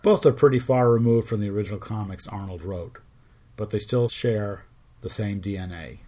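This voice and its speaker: Middle-aged male podcast host, lowish voice, measured scripted storytelling, wry. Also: heavy background noise. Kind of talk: scripted narration.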